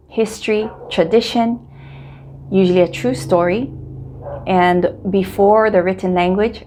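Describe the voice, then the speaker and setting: A middle-aged woman from Hawaii with a Hawaiian English accent gives a casual language lesson. Her voice has a gravelly fry and sits at an ordinary pitch. She is friendly and says words slowly so viewers can repeat them. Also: a little mellow.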